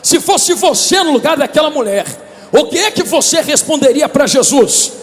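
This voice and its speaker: A man with a Brazilian accent preaching a conference sermon as a pastor, impassioned and often shouting. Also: very high voice, animated, normal speed. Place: large convention hall. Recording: long reverb of a big hall.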